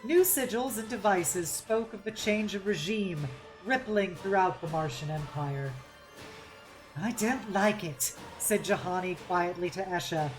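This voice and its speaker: A woman's voice: lowish voice, moderate pace, few pauses, soft background music, poor audio. A woman streamer hosting a read-along, narrating a novel expressively with casual asides.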